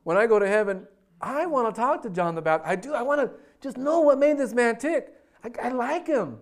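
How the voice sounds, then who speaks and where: A man delivers a sermon in a fairly high voice. He tells stories with animation, jumping to loud bursts and then dropping to hushed asides. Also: lively intonation, a little fast. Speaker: pastor.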